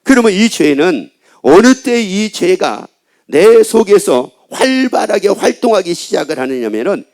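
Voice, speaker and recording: Middle-aged male pastor, sermon delivery, high voice, lively swings in pitch, quizzes the congregation. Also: measured pace. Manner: call-and-response questions to the congregation; colloquial, repetitive preaching.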